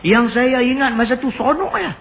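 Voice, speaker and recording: A man's voice: extremely high pitch, brisk, a bit bright, voice pushed up. A man voicing a remorseful young man who confesses his past sins, speaking with a raised, pleading voice. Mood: confessing.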